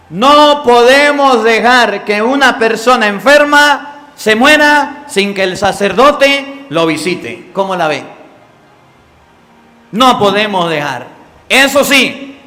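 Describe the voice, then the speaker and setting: A man's voice: extremely high pitch, bright, forceful tone. A man preaching a sermon as a priest, asking his congregation questions. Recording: echoey hall with long reverb.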